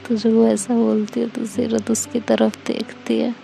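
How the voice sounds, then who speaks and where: Slow gravelly woman storyteller. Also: on the high side, level tone, dark tone, soft background music. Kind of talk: slow romantic story narration.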